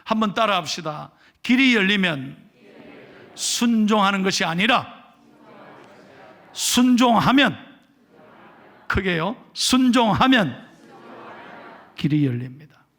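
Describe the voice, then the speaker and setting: A male pastor preaches from the pulpit in a high, bright, gravelly voice. He is animated and acts out scripture dialogue as he goes. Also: moderate pace. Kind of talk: sermon. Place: church sanctuary pulpit.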